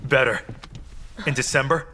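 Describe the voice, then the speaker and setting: An actor playing an eager, emotional artist in dubbed film dialogue. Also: male voice, mid-range voice, steady tone, normal speed, pushed and bright, a little hiss or hum, natural voice. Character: emotional artist back home.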